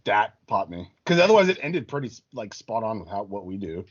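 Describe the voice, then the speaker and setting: A man's voice: lowish voice, very animated, fairly quick, dull audio. A man co-hosting a podcast in casual, informal chat with plenty of swearing. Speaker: podcast co-host.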